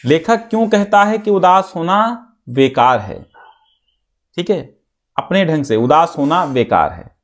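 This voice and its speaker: A man teaching an exam-prep lesson, explaining step by step and reciting verse slowly. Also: a little high, expressive.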